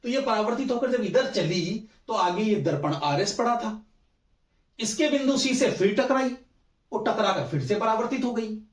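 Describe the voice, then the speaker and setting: A man teaching a maths lesson, explaining each step and often checking that students follow. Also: high-pitched. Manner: explains step by step, asks "समझ में आई बात?". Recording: echoey room, voice from a distance.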